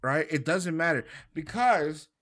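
A man's voice: fairly high pitch, expressive, unhurried, a bit bright. A man, a father, arguing his point in a casual podcast discussion through a string of emphatic rhetorical questions. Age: adult father.

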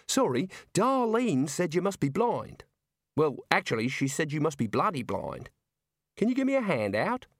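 A man reading an audiobook who voices a polite, ordinary young woman, high-pitched, earnest and tearful. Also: huge pitch swings, moderate pace, no room sound, studio quality, exaggerated voice. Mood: chatty. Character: plain polite young woman, weepy and apologetic.

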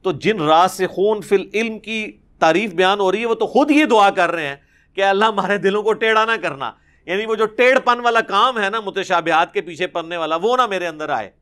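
A middle-aged man with a Pakistani Urdu accent giving a Quran commentary lecture, explaining with animation and reciting verses slowly and carefully. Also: high-pitched, a bit bright, smooth. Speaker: religious teacher.

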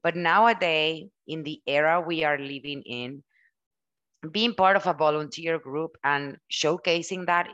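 A woman with a low voice and a Mexican Spanish accent, speaking English as her second language. She answers interview questions in an earnest, explanatory way and runs through examples one after another. The recording is dry and close. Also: measured pace, fairly bright tone, no room sound, muffled recording. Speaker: guest HR professional and recruiter.

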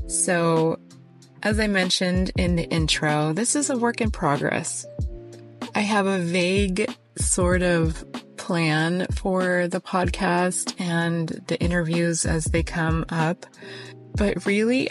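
A woman hosting a casual podcast interview, talking in a rambling, self-deprecating way. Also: fairly low pitch. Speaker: podcast host. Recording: faint background music track.

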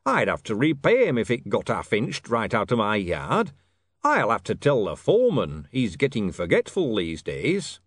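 A man doing a gruff, drawling, shrewd rough-edged boss. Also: on the low side, huge pitch swings, moderate pace, dry recording, clean studio sound. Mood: menacing. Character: gruff, shrewd, rough-spoken self-made older male businessman.

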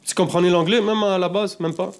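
Male interviewer, slightly high voice, agreeable and easy. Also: fairly even intonation, a little fast, clean tone. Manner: easygoing, agreeable, short affirmations. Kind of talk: casual interview chat.

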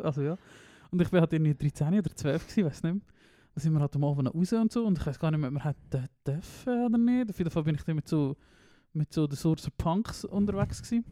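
A young man speaks with a Swiss German accent and a fairly high voice, racing through loose stories. He laughs often and drifts off mid-sentence. The sound is close and dry. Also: dark tone, no echo. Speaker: podcast co-host. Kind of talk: casual chat.

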